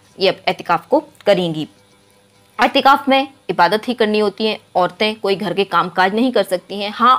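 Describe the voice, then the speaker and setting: Music plays behind a voice whose pitch varies in an ordinary way. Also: woman. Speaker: Islamic religious instructor. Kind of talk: religious lecture (bayan) to camera.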